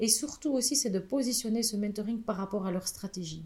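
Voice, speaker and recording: A woman speaks in a fairly high, somewhat breathy voice with a dark, mellow tone. Her pitch variation is ordinary. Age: 50s. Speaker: biologist and former pharma team manager, mentoring consultant. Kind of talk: interview.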